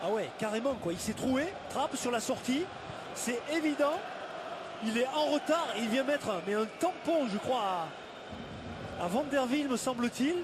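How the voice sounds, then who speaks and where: Very high-pitched, excited male football pundit. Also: normal speed. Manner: animated, emphatic, repeats words for emphasis. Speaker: football co-commentator and analyst. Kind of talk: excited sports commentary, replay analysis. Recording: loud stadium noise behind the voice. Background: loud stadium ambience.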